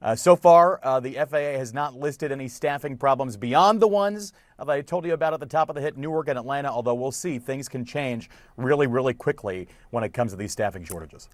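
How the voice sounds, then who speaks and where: Guy doing a live news hit, mid voice, chatty with little pauses, super dry audio. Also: medium pitch, dry recording. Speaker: news correspondent.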